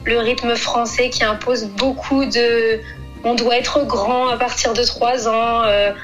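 A woman's voice: fairly high pitch, level tone, slow, fairly bright tone, faint music behind, rough recording. Hesitant woman guest, many fillers. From France. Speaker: guest, expat mother. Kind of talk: casual interview answers.

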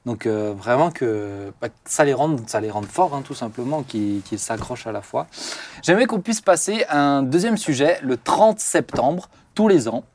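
A man hosting a Christian talk show, chatty and encouraging, often trailing off into soft asides. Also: mid-range voice, expressive, moderate pace. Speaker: host.

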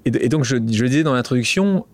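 A man's voice: medium pitch, lively intonation, fast, a little mellow. A man hosting a podcast, asking informal, rambling questions full of restarts. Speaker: podcast host. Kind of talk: casual interview questions.

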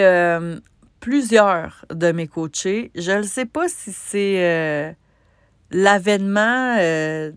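A woman with a Québécois French accent, a business coach hosting a solo podcast, talking conversationally with many pauses and restarts. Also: lowish voice, clear, resonant tone, no room sound, clean studio sound.

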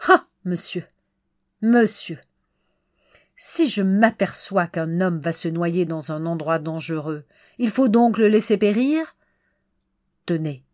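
A woman reading the part of an excitable middle-aged male clerk who warns a stranger about love, in an emphatic, insistent way. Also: low voice, no echo, clean studio sound.

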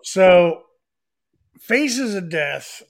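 A man in his forties, a guest on a casual podcast, telling stories loudly and swearing freely. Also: sits high, sing-song, extremely slow. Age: 40s. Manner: loud, profane storyteller.

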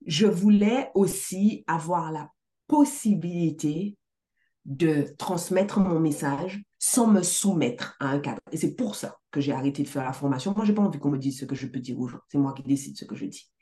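A middle-aged woman success coach talking in a casual interview, emphatic and animated, swearing now and then. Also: deep voice, moderate pace. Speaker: success coach, podcast guest.

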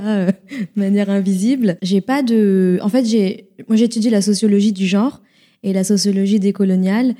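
Brief: young woman, very mellow dark tone, measured and reflective podcast guest. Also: mid-range voice. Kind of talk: casual round-table chat.

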